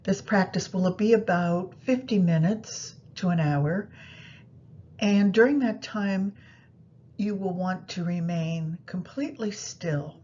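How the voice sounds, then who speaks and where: A woman guiding a meditation practice in a soothing, unhurried manner, pausing between phrases. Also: a little mellow. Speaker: yoga nidra meditation guide. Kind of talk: guided meditation instruction. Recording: muffled, low rumbling background noise.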